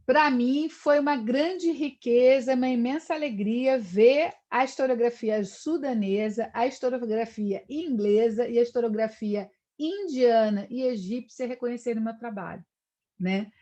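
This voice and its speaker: A woman's voice: a little high, a little slow, dark tone, muffled recording. A middle-aged woman from Brazil lecturing on history, talking in long discursive runs and tagging her sentences with questions. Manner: discursive, frequent "né?" tags. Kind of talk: live online lecture.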